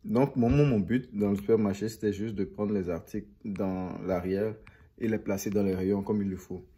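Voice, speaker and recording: Young man, low mellow voice, slightly husky, casual rambling vlog chat, repeats himself. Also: fairly even intonation, normal speed. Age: young adult. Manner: rambling, repeats phrases for emphasis. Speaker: vlogger.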